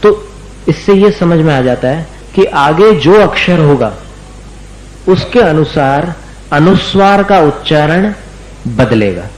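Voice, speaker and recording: A man's voice: fairly high pitch, animated, roomy sound, low-quality recording. A man giving a religious lesson on recitation, patiently drawing out words so listeners can copy them. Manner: patient, repeats words slowly for students to copy. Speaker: religious teacher.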